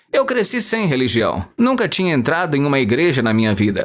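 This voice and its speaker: A man's pitch rises and falls very widely as he talks at a moderate tempo. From El Salvador, then US. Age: 60s. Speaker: pastor. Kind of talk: interview.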